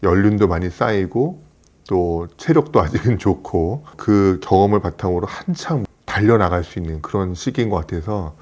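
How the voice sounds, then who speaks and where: A man's voice: low-pitched, expressive, moderate pace, darkish tone. A man in his fifties, a plastic surgeon, telling stories in an earnest, reflective way. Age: 50s. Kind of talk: casual conversational talk.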